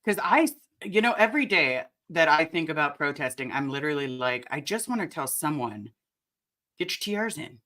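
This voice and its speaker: Raspy-voiced woman hosting a lively chat. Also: low-pitched, a little fast. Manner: chatty and animated, addresses the chat directly. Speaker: livestream host. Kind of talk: casual chat.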